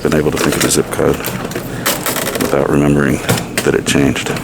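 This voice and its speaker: A man's voice: very deep voice, completely flat delivery, a little fast, vocal fry, heavy background noise. An American man rambling casually in a wry, musing way as he narrates a vlog while exploring. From United States. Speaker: vlogger.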